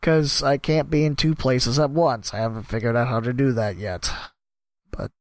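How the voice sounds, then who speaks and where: A man's voice: medium pitch, steady tone, normal speed, dry recording, clean studio sound. A man hosting his own podcast, rambling casually and joking at his own expense, his voice worn from a cough. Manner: rambling, self-deprecating, jumps between topics. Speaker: podcast host and sports announcer. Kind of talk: casual solo podcast monologue.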